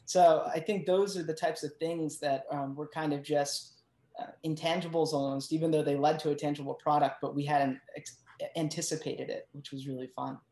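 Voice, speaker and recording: A presenter gives a case study in a semi-spontaneous conference style. The voice comes with a roomy echo, and the delivery is halting, with words repeated as thoughts form. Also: medium pitch, level tone, a little mellow. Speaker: journal team member presenting a case study. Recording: roomy, echoing sound.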